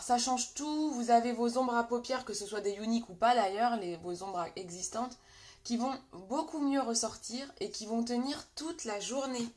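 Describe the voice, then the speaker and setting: A woman with a French accent hosting a casual live makeup tutorial from her bedroom, chatting and greeting viewers by name with many fillers. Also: a little high. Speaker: makeup seller and live host.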